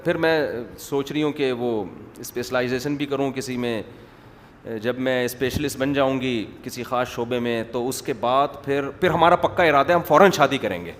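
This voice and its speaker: Young woman, mock-serious and casual, put on by a male preacher; low-key, hushed delivery. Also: very animated, hardly any pauses, long reverb tail, slight background noise. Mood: feigned nonchalance. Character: young woman student, coyly playing it cool.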